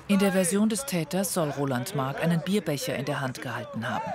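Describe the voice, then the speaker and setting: A man narrating a crime documentary in a calm, factual, scripted manner. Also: on the high side, brisk, a loud crowd. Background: music under the voice.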